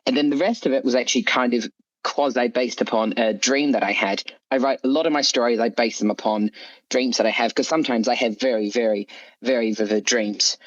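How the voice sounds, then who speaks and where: Man explaining things, dull lo-fi audio. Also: medium pitch. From United Kingdom. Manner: explanatory, frequent "like" and "you know". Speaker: guest author interviewed about his story. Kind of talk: conversational interview answers.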